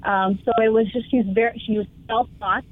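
A woman's voice: a little high, steady tone, a little fast, no room sound. A woman from Congo, a home decor creator, talking earnestly and from the heart as a guest in a casual interview. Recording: tinny phone-like line, dry.

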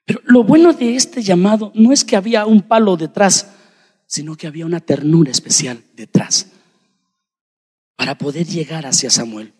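A man preaching a sermon to his congregation, addressing them directly and swinging between shouting and hushed speech. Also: sits high, moderate pace, husky. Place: church sanctuary. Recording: long hall reverb.

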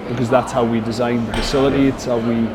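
A man's voice: mid-range voice, level tone, quick pace, over a noisy crowd. A man speaking as a performance coach in an interview, explaining things conversationally and circling back with frequent "you know".

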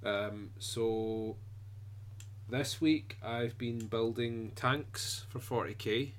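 A man co-hosting a hobby podcast, chatting casually and quietly with frequent restarts and fillers. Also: medium pitch. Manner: soft-spoken, halting, full of restarts. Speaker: podcast co-host and miniature painter. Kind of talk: casual chat.

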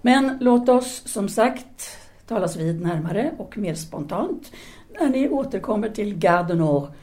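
Actress as mellow, self-possessed seductive intellectual woman. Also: medium pitch, expressive, close to an everyday voice. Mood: ardent longing. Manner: formal, measured, intimate. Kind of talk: audio drama letter monologue and dialogue.

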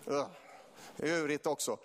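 A man's voice: a little high, big-room sound. A man from Småland giving a church sermon with a Småland accent, telling personal stories with laughter and rising to fervent preaching. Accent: Småland Swedish.

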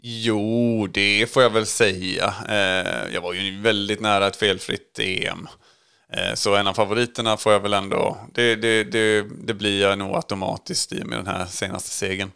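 A man playing a self-assured champion on a mock interview show, halting with frequent ums. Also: on the low side, fairly even intonation, vocal fry, sharp tone, clean tone, no echo, clean studio sound. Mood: smug. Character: smug male champion interviewed on a studio show.

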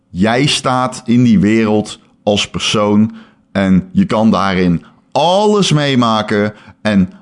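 Animated man telling stories, swearing freely. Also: on the low side. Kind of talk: casual chat.

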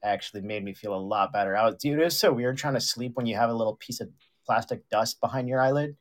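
A man's voice: medium pitch, fast. A man co-hosting a radio show, teasing his partner in casual, joking chat. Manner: teasing, playful banter. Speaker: radio co-host.

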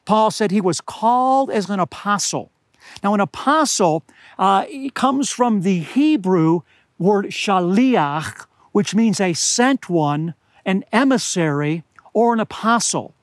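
A high-voiced older man preaches outdoors, his voice a little hoarse and scratchy. He speaks earnestly and deliberately, slowing to press home important words, and the sound is dry and close with little reverb. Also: lively intonation. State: slightly hoarse. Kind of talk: outdoor sermon. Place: outdoors among pine trees at high altitude.

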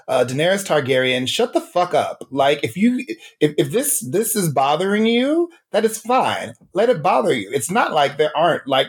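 A man's voice: on the high side, slightly rough. A man co-hosting a podcast, ranting in an exasperated, profane way. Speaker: podcast co-host. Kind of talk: casual chat.

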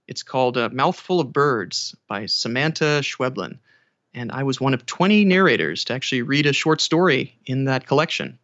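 American man, lower-pitched, slightly muffled sound. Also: animated, normal speed, a bit bright, no room sound. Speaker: audiobook narrator and voice actor, guest. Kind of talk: casual interview talk.

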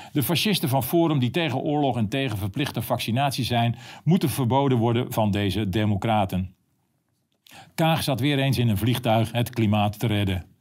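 A man's voice: mid-range voice, darkish tone. A man reading his own opinion column aloud, sarcastic and combative.

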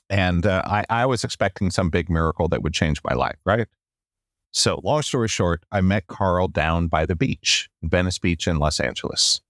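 A middle-aged man from the United States, a podcast guest telling his story in an animated way and often asking "right?". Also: sits low, no echo, studio quality. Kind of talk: storytelling in a conversation.

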